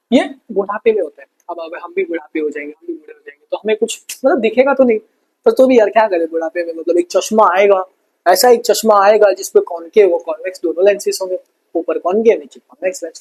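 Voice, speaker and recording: A man teaching a lively exam revision lesson, calling the students brother and asking and answering his own questions. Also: sits high, breathy edge, rough recording. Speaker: science teacher.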